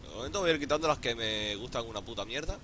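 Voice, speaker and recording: Excitable swearing Spanish gamer man. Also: medium pitch, very fast, noisy background. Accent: Spain Spanish. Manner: excitable, swears a lot, pleads and exclaims. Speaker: gaming YouTuber. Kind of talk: casual gameplay commentary.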